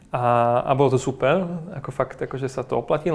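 The speaker is a man. He talks with a Hungarian accent. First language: Hungarian (speaking Slovak). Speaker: cultural organizer. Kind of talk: casual interview.

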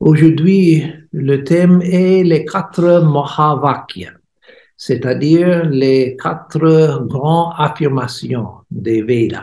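This very slow speaker has a dark, mellow tone and ordinary pitch variation, with an American accent. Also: man, fairly high pitch for a man. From US. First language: English (speaking French). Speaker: monk and lecturer. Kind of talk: read-aloud lecture. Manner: halting.

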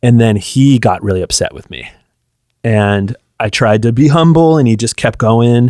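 Here is a man with an ordinary speaking voice and an American accent, at medium pitch and moderate pace. His pitch varies in an ordinary way, and his loudness swings widely. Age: 30s. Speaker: musician and teacher. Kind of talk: interview. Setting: recording studio.

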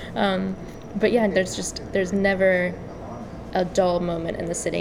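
Against noticeable background noise, a woman with a fairly low pitch speaks in a monotone, flat way at a moderate pace. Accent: American. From US South. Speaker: comedian. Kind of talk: casual chat.

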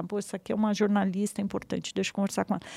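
Her voice at a medium pitch, a woman talks very fast in a dry, close sound with no echo. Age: 40s. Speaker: financial market professional and podcast host. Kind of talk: casual interview.

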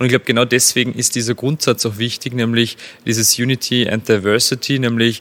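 Over noticeable background noise, a man talks fairly quickly at a medium pitch in a monotone, flat intonation. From Austria, Vorarlberg. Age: 20s. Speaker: political candidate. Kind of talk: interview.

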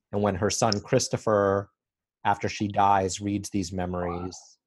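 In a normal speaking voice with an American accent, a man speaks at a moderate pace and a fairly low pitch on a very clean recording with a silent background. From US Midwest, Wisconsin. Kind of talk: casual chat.

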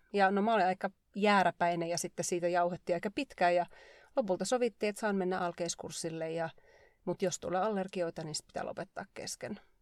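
In an ordinary speaking voice, a woman talks fairly quickly at a medium pitch with fairly even intonation, the sound dry and close with no echo and the recording very clean over a silent background. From Finland, Kuopio. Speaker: horse rider. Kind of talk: casual interview.

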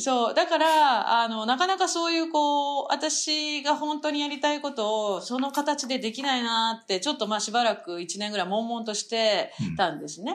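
With lively intonation and hardly any pauses, a woman speaks at a moderate pace in a high pitch. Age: 50s. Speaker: company founder and CEO. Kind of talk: casual chat.

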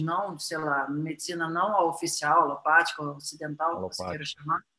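Bright and sharp in tone, a woman is speaking. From Brazil, Rio de Janeiro. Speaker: Ayurveda teacher and live show host. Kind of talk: casual interview. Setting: live stream on video platforms.

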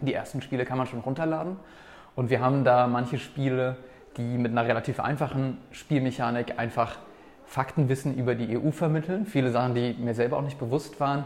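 A normal speaking voice at a fairly quick pace with fairly even intonation. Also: man, medium pitch for a man. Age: 30s. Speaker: public relations officer at a foreign ministry. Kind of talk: interview. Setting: museum cloakroom area.

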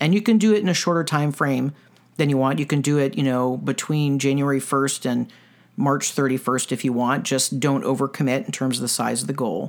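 On a very clean recording with a silent background, a man with an ordinary speaking voice talks at a fairly quick pace and a fairly high pitch, with ordinary pitch variation. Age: 40s. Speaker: podcast host and diabetes coach. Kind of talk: casual solo podcast monologue. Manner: conversational, with filler words.

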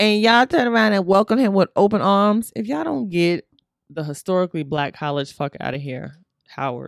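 On a very clean recording with a silent background and a dry, close sound with no echo, the voice is animated, with very wide pitch swings. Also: woman, medium pitch for a woman. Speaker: podcast host and comedian. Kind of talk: casual solo monologue. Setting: home, sitting on couch.

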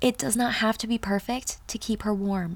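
This woman has a normal speaking voice, fairly high in pitch, with ordinary pitch variation. The recording is very clean, with a silent background. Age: 20s. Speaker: podcast host, writer and creator. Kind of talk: solo podcast monologue.

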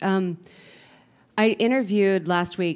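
Pitch variation is ordinary as a woman with an unremarkable speaking voice keeps a moderate pace. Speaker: radio host. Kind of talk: moderated live panel discussion. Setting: stage with audience.

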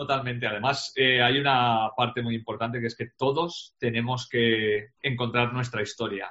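Monotone and flat, a man speaks at a medium pitch and a moderate pace with hardly any pauses. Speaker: communication consultant. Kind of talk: interview.

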